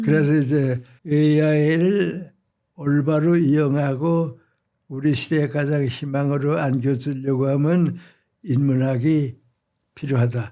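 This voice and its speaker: The voice has a dark, mellow tone and very even loudness. It moves at a very slow pace with fairly even intonation. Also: man, fairly high pitch for a man. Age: 80s+. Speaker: philosopher, professor emeritus. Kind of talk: interview answer.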